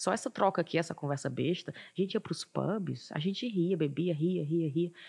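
With vocal fry and ordinary pitch variation, a woman speaks at a fairly quick pace and a fairly low pitch. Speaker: journalist and podcaster. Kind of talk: casual interview.

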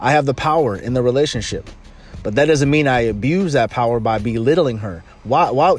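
His voice medium in pitch and shaky, a man speaks in an animated, energetic tone with ordinary pitch variation. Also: fairly quick pace. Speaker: podcast host. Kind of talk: casual solo podcast monologue. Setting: outdoors by the ocean. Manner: animated, energetic, conversational; shaky, stuttering.

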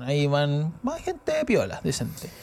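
A man speaks at a moderate pace with a Chilean accent. Noticeable background noise runs under his voice. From Chile, Santiago. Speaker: football fan podcast co-host. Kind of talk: casual chat.

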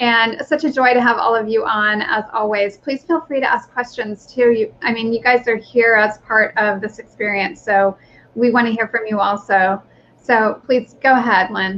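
A woman with an ordinary speaking voice, a fairly high pitch, fairly even intonation and a moderate pace. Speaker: podcast host. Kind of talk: interview. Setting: video call.

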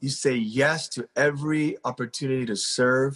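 In dry, close sound with no echo, a man with an American accent uses a normal speaking voice at a fairly slow pace and medium pitch. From South Korea (US Army base). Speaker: ministry director. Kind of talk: casual interview.

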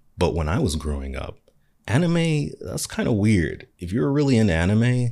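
Soft-spoken and with an American accent, a man talks at a moderate pace in a fairly low pitch with a dark, mellow tone and very wide pitch swings, on a very clean recording with a silent background. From United States. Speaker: artist and YouTuber. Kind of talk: monologue video essay.

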